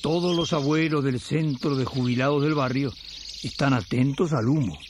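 A man's voice: medium pitch, moderate pace, noisy background, close to an everyday voice. A man narrating a radio drama from a script. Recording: clear background birdsong and ambience.

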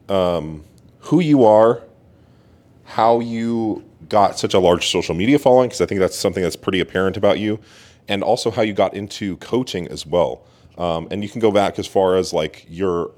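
Deep-voiced man hosting casually. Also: darkish tone. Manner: loose, filler-heavy questions. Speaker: podcast host. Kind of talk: casual interview. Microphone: camera mic.

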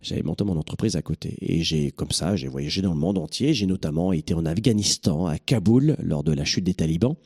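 A middle-aged man, a coach hosting his show, telling personal stories in an animated, emphatic way and often repeating words as he searches for them. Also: low-pitched, fairly quick, gravelly, hardly any pauses, slightly rough, no room sound, clean studio sound. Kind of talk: motivational talk with personal stories.

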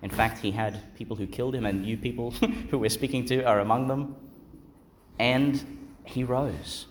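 A man speaking as a Catholic priest in a solemn, measured and reflective way, as in a gospel reading or homily. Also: mid-range voice, steady tone, slight background noise.

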